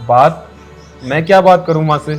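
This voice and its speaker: A man's voice: on the high side, moderate pace, faint music behind, lightly acted. A man playing an earnest young husband who soothes his wife and stands up to his mother. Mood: soothing. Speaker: son and husband. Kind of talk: rural Hindi film drama.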